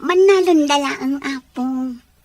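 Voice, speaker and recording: A woman acts out a polite young country woman in an audio drama. Her voice is high, with a Filipino accent. She comes across as humble and respectful. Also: a little slow, a little mellow, no echo. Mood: shy, respectful. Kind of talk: Ilocano audio drama acting.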